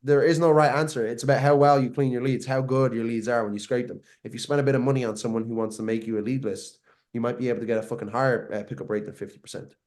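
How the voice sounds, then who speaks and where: A man's voice: medium pitch, steady tone, fast talker, darkish tone. Brash, swearing young man. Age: 20s. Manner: brash, profane, talks in bursts and repeats himself. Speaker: guest, marketing agency owner. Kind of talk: casual podcast interview. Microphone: video call.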